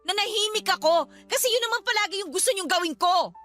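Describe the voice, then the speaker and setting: A wounded younger sister who fights back with sarcasm, her voice very high and bright. Faint music plays beneath her. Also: fast talker. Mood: firm. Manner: bitter, cutting. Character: hurt younger sister standing up to her elder. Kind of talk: Tagalog radio drama acting.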